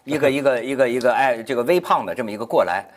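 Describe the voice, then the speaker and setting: A man telling a story in a casual round-table talk, animated, with many restarts. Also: mid-range voice, very fast. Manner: animated storyteller, stammering restarts, laughs while talking.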